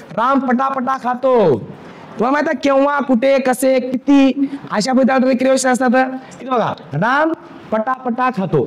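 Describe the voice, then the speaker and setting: Man, very high pitch, grammar teacher, questions the class, repeats terms. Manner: asks the class questions and answers them himself; repeats key terms and example sentences.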